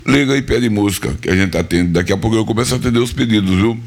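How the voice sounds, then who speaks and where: A man from northeastern Brazil, hosting a live radio music show, slightly hoarse and chatty, repeating details for listeners. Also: fairly low pitch, fast talker. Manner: chatty, repeats phone numbers and tags lines with "viu?" and "né?". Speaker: radio host. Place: radio studio.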